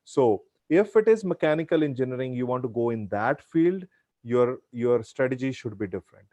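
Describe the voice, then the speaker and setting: A man's voice: medium pitch, expressive, normal speed, dark tone, no echo. Man, earnest advice-giver on a video call, dry close sound. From India. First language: Punjabi. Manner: earnest, advising, with frequent restarts. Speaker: guest speaker. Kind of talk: virtual Q&A chat.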